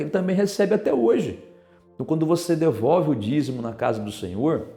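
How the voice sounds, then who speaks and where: A man's voice: medium pitch, dark tone, roomy sound. A male pastor with a Brazilian Portuguese accent, preaching a sermon, full of rhetorical questions and tag questions.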